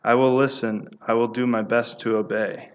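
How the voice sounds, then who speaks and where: A man voicing an earnest young man who prays quietly and sincerely while alone in his car. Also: medium pitch, steady tone, normal speed, highs cut off, natural voice.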